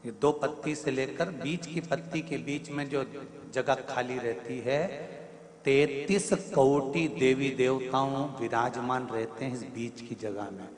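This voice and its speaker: A male scripture storyteller from Madhya Pradesh giving a devotional sermon to a live audience, preaching emphatically with repeated phrases and rhetorical questions. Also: medium pitch. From Madhya Pradesh, India. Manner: swings from hushed explanation to loud declaiming.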